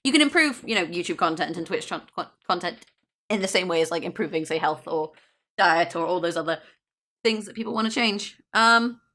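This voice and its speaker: A woman talking on a casual gaming podcast as a guest. Her voice is bright and a little low, and she talks quickly in a chatty, informal way. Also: lively intonation.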